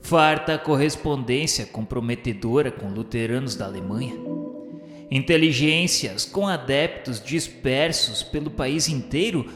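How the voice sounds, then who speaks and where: A man's voice: medium pitch, unhurried, a bit bright, natural voice. A man playing a tormented, vengeful Jesuit officer of the Inquisition, confessing in solemn, formal, theatrical radio novela narration. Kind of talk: dramatized first-person radio novela narration. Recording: echoey hall reverb, music behind.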